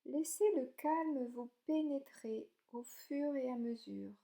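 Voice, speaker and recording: Slow, soft-toned woman guiding relaxation. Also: high voice, creaky. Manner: calm, gentle, soothing, with long pauses between short instructions. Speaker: yoga nidra relaxation instructor. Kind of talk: slow guided meditation narration.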